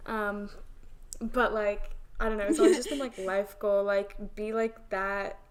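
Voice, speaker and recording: A woman's voice: mid-range voice, fairly even intonation, unhurried. A young woman co-hosting a casual podcast chat, upbeat and rambling, with many "um"s and "like"s. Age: young adult. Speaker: podcast co-host.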